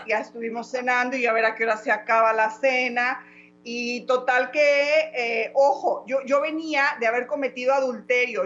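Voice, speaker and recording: A woman's voice: on the high side, a bit bright, highs cut off, slight background noise. Earnest Mexican woman telling her testimony. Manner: earnest, dramatic storytelling, slows down at key moments. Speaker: guest giving testimony. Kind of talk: emotional personal testimony.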